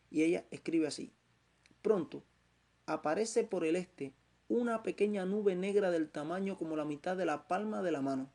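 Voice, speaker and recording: Hombre cubano que predica con voz rasposa. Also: male voice, fairly high pitch, mellow. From Cuba. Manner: slow, emphatic, repeats phrases for stress. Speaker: preacher. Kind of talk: Bible teaching sermon.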